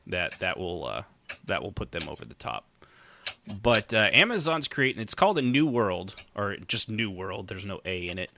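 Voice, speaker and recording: A man's voice: low-pitched, sing-song, normal speed, vocal fry, sharp tone. An American man hosting a podcast, chatting casually with wry humor and the odd bit of swearing. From United States. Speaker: podcast host. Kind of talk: casual comedic podcast chat.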